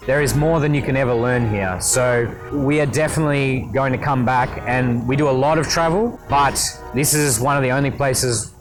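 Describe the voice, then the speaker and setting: A man's voice: medium pitch, moderate pace, poor audio. An Australian man chatting upbeat about travel tips in an interview, laughing easily. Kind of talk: casual interview answers. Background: background music.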